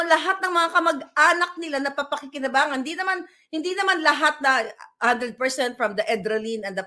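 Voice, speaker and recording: Woman vlogger, high voice, combative and scornful, ranting from home. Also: bright, forceful tone. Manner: combative, scornful, code-switching with English. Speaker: political vlogger. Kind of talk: casual political rant.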